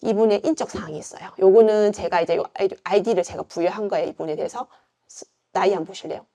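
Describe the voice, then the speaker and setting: Talking at a quick pace, a middle-aged woman with a Gyeongsang accent leads an informal yoga lecture in a dark, medium-pitched voice. Her style is chatty and conversational, full of fillers and rhetorical questions.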